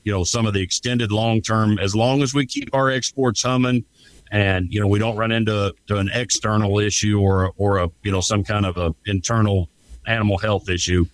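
A man's voice: fairly low pitch, steady tone, moderate pace. A man with a folksy, plain-spoken way of talking, giving conversational market commentary as a guest. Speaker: guest, livestock marketing rep and cattle owner.

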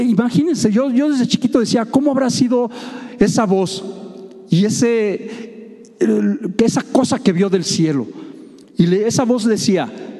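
A man preaches a sermon, his voice pitched high yet mellow and soft-edged. He reads scripture, then retells it as an animated story with jokes for his listeners. The sound rings out with a long reverb, as in a large hall. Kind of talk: sermon with Bible reading.

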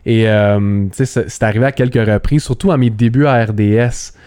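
A man's voice: lowish voice, fairly even intonation, brisk, a little mellow, smooth. A man with a Quebec French accent, a basketball analyst talking casually in an interview, repeating words and slipping in English terms.

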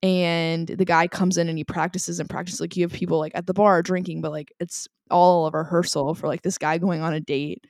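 A woman's voice: fairly low pitch, flat delivery, fairly quick, few pauses, darkish tone, no echo, studio quality. A woman co-hosting a podcast in casual chat, chatty and laughing often, with plenty of fillers. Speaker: podcast co-host.

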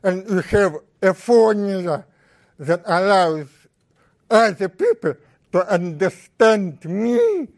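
Slow-speaking man with a strong Russian accent. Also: high-pitched, sing-song, darkish tone. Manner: slow, deliberate, halting speech. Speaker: research scientist. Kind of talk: conference talk.

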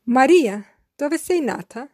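A woman teaching a beginner language lesson, speaking slowly and deliberately and repeating phrases piece by piece. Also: high voice, expressive, dark tone, dry recording, studio quality. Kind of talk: slow scripted language lesson.

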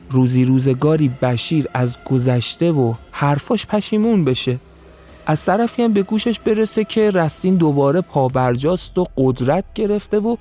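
A man voicing a scheming, powerful male tribal chief who speaks calmly and calculatingly in an audio story. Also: fairly high pitch, natural voice.

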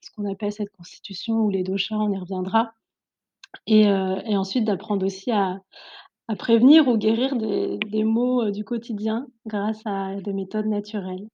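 A woman's voice: medium pitch, fairly even intonation, moderate pace, mellow, dull audio. A woman from France, an Ayurvedic therapist, talking casually as a guest in an interview, with frequent laughs and many hesitations. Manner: laughs often, many fillers and restarts.

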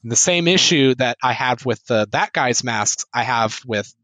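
A man in a casual podcast interview, speaking earnestly and steadily at a middling pitch. His voice is dry and close, with no room around it. He explains at length and sometimes restarts a phrase. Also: expressive, normal speed, pushed and bright, no echo. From United States. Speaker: sword fencing instructor, guest.

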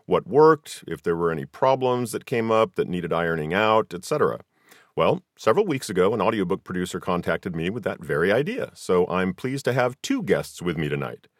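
A man's voice: deep voice, very animated, a little fast, no echo, studio quality. A middle-aged American man hosting a casual conversational interview. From Southern California, US. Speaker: podcast host.

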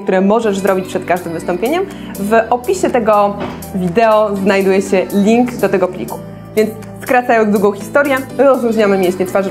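A woman coaches public speaking in a friendly, direct lesson. She shapes each word clearly and carefully at a middle pitch. Soft music plays faintly beneath her voice. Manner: clear, deliberate articulation while demonstrating diction drills; encouraging, addresses the listener directly. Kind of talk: instructional video lesson.

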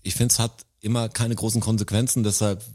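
Low-voiced man in rambling casual chat. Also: little pitch movement, a little fast. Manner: rambling, joking, trails off into quieter asides. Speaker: podcast co-host.

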